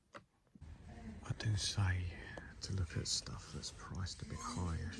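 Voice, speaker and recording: A somewhat breathy man with an English accent and a very deep, low pitch. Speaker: online reseller. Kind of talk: casual vlog commentary. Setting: charity shops. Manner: soft-spoken in shops. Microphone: sound issue, too quiet.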